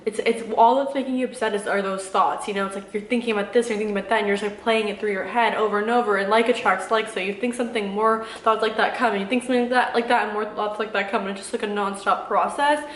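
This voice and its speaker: A woman's voice: medium pitch, steady tone, fast, hardly any pauses. A young woman chatting casually to viewers in a Q&A, rambling with lots of fillers while giving earnest, encouraging advice. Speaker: vlogger answering viewer questions. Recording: echoey room.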